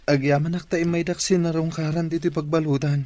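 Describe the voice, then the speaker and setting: A man's voice: fairly high pitch, little pitch movement, brisk, darkish tone, close to an everyday voice. A man with an Ilocano accent playing an earnest nephew in an audio drama. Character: earnest man addressing his aunties.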